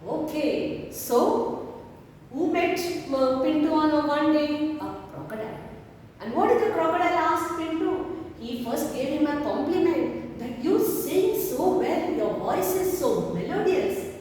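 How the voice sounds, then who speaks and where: A woman's voice: high voice, animated, measured pace, a little mellow. A woman teacher leading a value-education lesson for young children, asking lots of coaxing questions. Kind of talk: online class storytelling lesson. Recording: echoey room, mic far off, faint noise.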